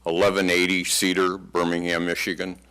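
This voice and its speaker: A man speaking as a resident at a township public hearing, plainspoken and halting, with a big voice, into a podium microphone. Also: deep voice, monotone, sharp tone, clean tone. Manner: halting, plainspoken, many fillers. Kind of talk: public comment at a meeting. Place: township meeting hall.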